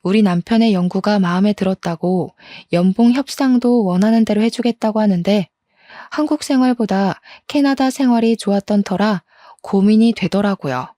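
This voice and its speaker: Female storyteller, mellow tone, confiding and chatty, dry close mic. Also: mid-range voice, moderate pace, no room sound. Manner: chatty, confiding retelling with exasperated asides. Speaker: storyteller reading a listener's story. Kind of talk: first-person story narration.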